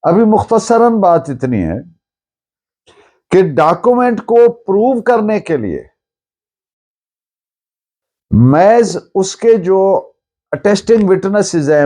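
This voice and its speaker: A man with a Pakistani accent lecturing as a law teacher, explaining deliberately and often rephrasing his points. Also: high voice, a little mellow. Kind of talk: lecture mixing Urdu with English legal terms.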